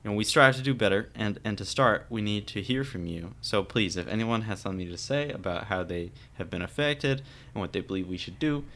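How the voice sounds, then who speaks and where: A man's voice: lowish voice, lively intonation, a little fast, hardly any pauses, fairly bright tone. A man playing an earnest, placating small-town councilman speaking politely in an audio drama.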